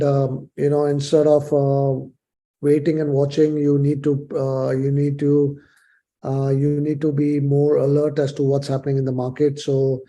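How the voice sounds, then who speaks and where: A man answering questions as a company executive on an earnings call, in halting, measured phrases. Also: medium pitch, dark tone.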